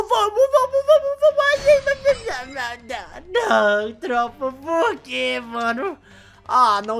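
Excitable young Brazilian man, high-pitched. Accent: Brazilian Portuguese. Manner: exasperated, exclaims often, heavy slang. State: voice going hoarse. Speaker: gaming YouTuber. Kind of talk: excited gameplay commentary.

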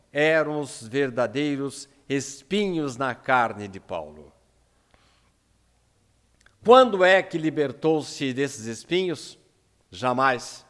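Older brazilian guy in his 70s doing a religious talk, slightly high voice, really slow, big echoey room. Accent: Brazilian Portuguese. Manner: deliberate, emphatic pauses, rhetorical questions. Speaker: lecturer at a Spiritist centre. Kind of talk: religious lecture, prepared and read out. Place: indoor lecture room at a lectern. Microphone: gooseneck lectern microphone. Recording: echoing hall with long reverb.

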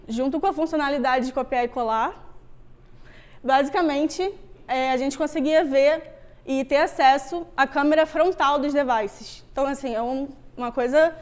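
Young brazilian lady w a carioca accent doing a laid-back tech talk, really high voice, chatty and slangy. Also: a little mellow. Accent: Rio de Janeiro (carioca) Brazilian. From Rio de Janeiro, Brazil. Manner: casual, slangy, conversational. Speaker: Android developer, meetup speaker. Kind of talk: informal tech presentation. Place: meetup room with wooden floor, on stage before a screen.

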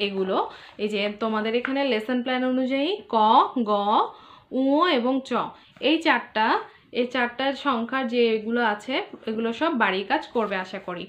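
Young female kindergarten teacher, somewhat high voice, patient, spells out numbers slowly. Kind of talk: online class lesson.

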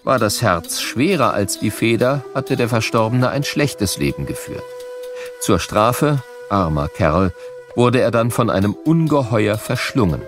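A man narrating a scripted educational audiobook for children with measured, clearly phrased storytelling. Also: on the low side, big pitch swings, music in the background.

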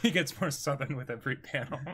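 A man's voice: mid-range voice, quick pace, very noisy. A young man making casual jokes during a comic dramatic reading in a small room. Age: young adult. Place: small indoor room, against a backdrop.

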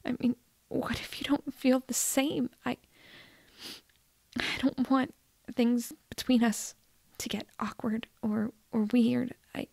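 A woman playing a shy, nervous teenage girl in love with a best friend, in a breathy, hesitant ASMR roleplay whisper. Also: fairly high pitch, fairly even intonation, a little mellow, no room sound, full character voice. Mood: nervous, earnest. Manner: hesitant, halting, tender.

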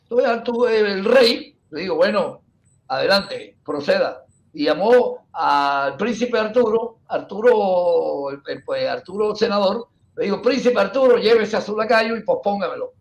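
A man's voice: high-pitched, expressive, unhurried, gravelly. A man hosting a talk show over a video call, jovial, calling on guests and cutting in. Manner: jovial, interrupting, calls on guests. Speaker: host. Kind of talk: casual talk show banter.

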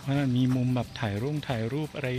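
A man's voice: mid-range voice, steady tone, quick pace, mellow. A chatty man films himself on foot, exclaiming and talking straight to his viewers as he goes. He records on a handheld camera outdoors, in an everyday mid-range voice. Faint music plays underneath. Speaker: vlogger. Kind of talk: casual walking vlog. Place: outdoors on a street and in a garden cafe.

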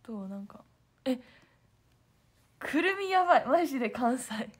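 A woman idol chatting casually on a livestream, lively and quick to laugh, playing with mock Kansai phrases. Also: high voice, breathy edge. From Aichi, Japan. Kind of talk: casual chat.

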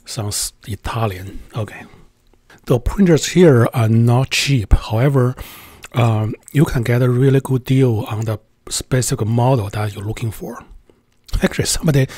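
A man talks through a casual tutorial in a chatty, hesitant voice full of filler sounds. His voice sits at an ordinary middle pitch. The sound is dry and close, with no room echo. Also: a little mellow. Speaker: tech channel host.

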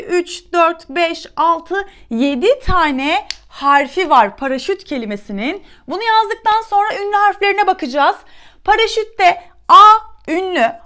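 High-voiced woman teaching young kids. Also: sharp tone. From Turkey. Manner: slow, clear, sounding out letters one by one. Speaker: primary school teacher. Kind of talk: children's lesson.

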